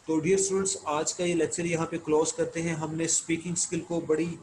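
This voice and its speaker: A man giving a recorded lecture, reading English lines slowly and then explaining them in Urdu. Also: a little high, little pitch movement, darkish tone, slight background noise, rough recording.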